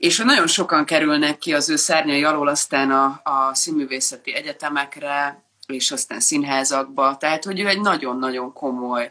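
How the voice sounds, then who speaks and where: A woman with a very deep, low pitch, fairly even intonation and hardly any pauses. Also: moderate pace. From Hungarian community abroad. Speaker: online talk show host. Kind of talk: interview.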